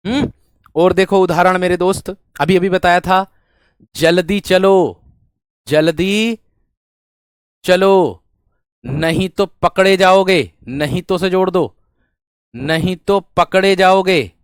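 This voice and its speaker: Clear and resonant, this high-pitched male voice moves slowly with long pauses, recorded in clean studio sound without room noise. The speaker, a Hindi grammar teacher, dictates example sentences to his class, repeats phrases, and often checks students are with him using familiar rhetorical questions.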